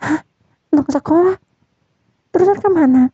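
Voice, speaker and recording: A woman voicing a young woman, eager and lovestruck, who asks quick surprised questions. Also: high voice, dark tone, no echo. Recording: dull dry lo-fi recording.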